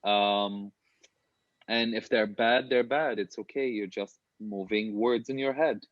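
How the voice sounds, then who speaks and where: A lower-pitched man from Syria talks as an interview guest in an informal, candid way. The sound is slightly muffled and lo-fi, like a video call, with a dry room around him. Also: fairly even intonation, takes it slowly, dry recording. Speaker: guest author being interviewed. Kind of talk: casual conversational interview. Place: small apartment home office, remote call.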